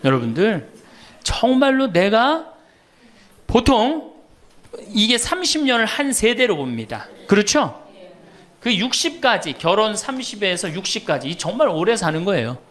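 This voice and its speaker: Lively high-voiced priest telling stories. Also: male voice, a little slow. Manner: animated storyteller, teasing questions to the audience, laughs often. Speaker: Catholic priest giving a lecture. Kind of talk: humorous lecture to a live audience.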